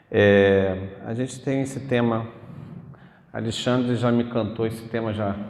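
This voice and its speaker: A man at a fairly slow pace, long and frequent pauses, and audible room echo. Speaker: spiritist lecturer and teacher. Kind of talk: spiritist study talk. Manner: casual, hesitant with fillers.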